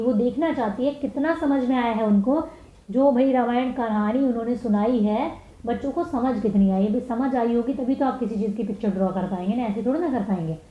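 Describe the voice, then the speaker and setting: A woman with an Indian accent, a teacher working through exam questions, reading each one out slowly and then explaining it quickly. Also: on the high side. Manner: reads English slowly, explains fast in Hindi. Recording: echoey dull room sound.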